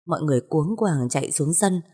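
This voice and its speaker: A woman narrating a ghost story in a measured, suspenseful voice. Her voice sits low, with a warm, mellow tone. She keeps a steady storyteller's pace. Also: breathy edge.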